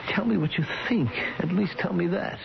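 An actor playing a distraught, impatient husband, pleading and fretful in a 1970s radio drama. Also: male voice, sits high, normal speed, vocal fry, noisy background. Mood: desperate. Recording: dull radio recording, music behind.

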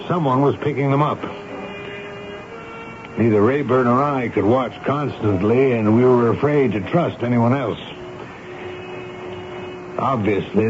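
A man playing a stern, weary army major in 1970s radio drama, speaking and narrating in a measured, grave way. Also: medium pitch, lightly acted. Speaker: actor and first-person narrator in radio drama. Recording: noisy, dull 1970s radio broadcast recording.

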